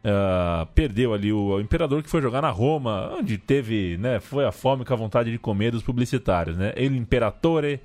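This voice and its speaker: Male Brazilian podcast co-host, average pitch, casual and anecdotal football chatter. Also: expressive, moderate pace, hardly any pauses, darkish tone.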